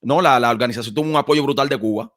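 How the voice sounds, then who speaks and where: A man's voice: medium pitch, racing, fairly bright tone, no echo, clean studio sound. A Puerto Rican man hosting a podcast conversation, talking casually and with animation, repeating phrases and dropping frequent slang. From Puerto Rico. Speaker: podcast host and author.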